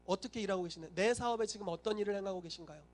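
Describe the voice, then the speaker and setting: Pastor guy preaching, high voice, acts out the story bits, lively. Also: racing. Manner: animated storytelling, acting out quoted voices. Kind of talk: sermon.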